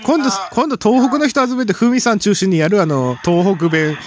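A man with an Ibaraki accent hosting a casual podcast, joking excitably and repeating himself. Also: high voice, normal speed, crowd noise. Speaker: podcast host. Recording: noisy recording.

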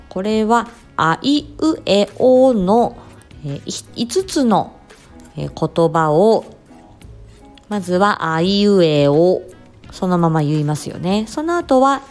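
A woman's voice: mid-range voice, expressive, slow, darkish tone, faint music behind. A woman hosting a casual solo podcast, explaining at an easy pace with frequent filler sounds. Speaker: podcast host.

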